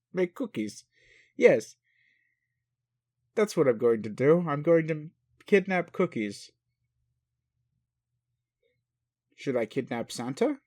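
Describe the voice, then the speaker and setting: A man playing a bemused, gentle and naive male alien caregiver in an intimate roleplay audio, speaking hesitantly and haltingly. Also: a little high, no echo, clean studio sound, voice pushed up. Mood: playfully scheming. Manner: hesitant, puzzled, halting, sighing. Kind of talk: intimate one-sided roleplay audio acting.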